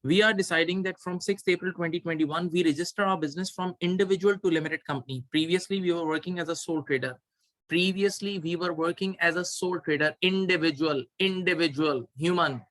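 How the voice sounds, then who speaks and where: A male tutor with a somewhat high-pitched voice leads an online exam revision class. He explains in an instructional way and often says a phrase again to drive it home. The sound is dry, with little trace of the room. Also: steady tone, brisk, a bit bright, no room sound, low-quality recording. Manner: repeats phrases for emphasis, instructional. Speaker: accounting tutor.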